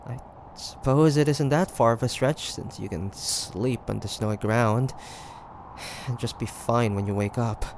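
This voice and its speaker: A man playing a grumpy, flustered demon hunter who secretly cares, speaking in a halting, defensive way in a roleplay audio drama. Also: medium pitch, a little mellow, slight background noise, close to an everyday voice. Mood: strained, halting.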